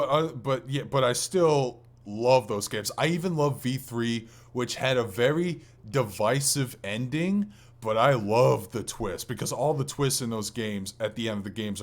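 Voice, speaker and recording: A man co-hosting a casual gaming podcast, speaking in an informal, rambling, enthusiastic way. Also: mid-range voice. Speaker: podcast co-host.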